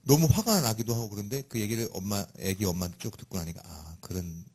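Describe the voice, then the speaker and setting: Husky-voiced man preaching a sermon. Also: on the low side, quick pace. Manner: animated storytelling with sudden loud emphatic rises. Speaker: pastor. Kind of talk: sermon with personal story.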